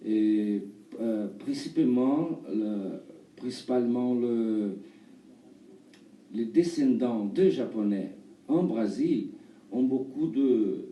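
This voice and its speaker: A man in his thirties from Brazil answers interview questions in halting, imperfect French with a Brazilian accent. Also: medium pitch, animated, highs cut off. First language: Portuguese. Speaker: actor and performer being interviewed. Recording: roomy, distant mic, faint noise.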